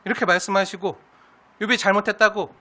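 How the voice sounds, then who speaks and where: A man's voice: high voice, fairly even intonation, brisk, sharp tone. A man preaching a sermon as pastor, earnest and heartfelt, posing rhetorical questions to the congregation.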